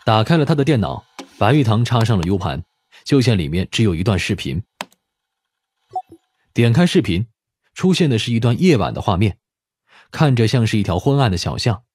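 A man's voice: fairly low pitch, sing-song, moderate pace, pauses often, a little mellow, a little hiss or hum. A man narrating a scripted audiobook story as its narrator.

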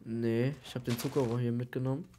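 A man with a cold, hosting a Minecraft let's-play and chatting excitedly with his teammate, repeating himself as he plays. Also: mid-range voice, a little fast, slight background noise. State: has a cold. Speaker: gaming YouTuber.

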